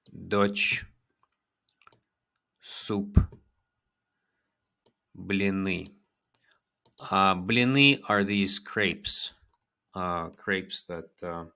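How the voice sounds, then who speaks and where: Man, very deep voice, unhurried, patient language teacher. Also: gravelly, pushed and bright. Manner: slow, patient, repeats each word twice. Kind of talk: vocabulary lesson.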